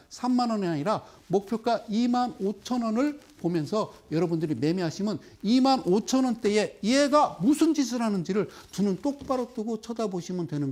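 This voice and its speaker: Middle-aged male market lecturer, high voice, lively, quizzes his viewers. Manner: animated, talks straight to viewers with rhetorical questions; drops into slow, drawn-out explaining while pointing at a chart. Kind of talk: televised investment lecture.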